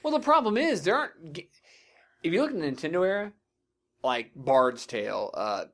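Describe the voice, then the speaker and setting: A man's voice: on the high side, very animated, brisk, fairly bright tone. A man hosting a casual video game podcast, chatting in an opinionated way and swearing freely. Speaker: podcast host.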